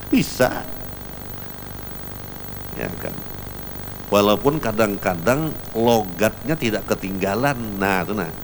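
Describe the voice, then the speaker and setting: A man's voice: on the low side, background noise. A man giving a religious lecture, emphatic and repetitive as he tells everyday anecdotes. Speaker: preacher.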